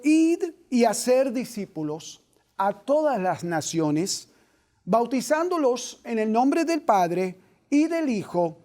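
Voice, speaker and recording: Man hosting a Christian interview. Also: sits high. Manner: reads scripture aloud, then asks questions warmly and earnestly. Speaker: host.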